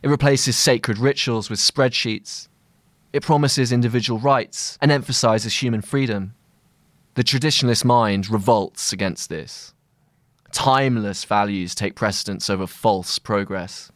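A man narrating a scripted long-read essay as a journalist, in measured, deliberate phrasing. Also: fairly low pitch, a bit bright, no echo, clean studio sound.

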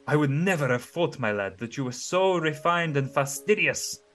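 A kindly old woodcarver father played by a man speaks in a raised, higher and louder voice, emphatic and gently scolding. Faint music sits under the reading. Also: animated, moderate pace. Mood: fatherly.

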